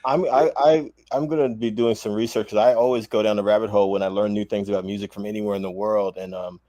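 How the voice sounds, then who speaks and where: A man's voice: fairly low pitch, steady tone, quick pace, warm tone, no room sound. A man speaking as a guest musician in casual, colloquial and effusive chat.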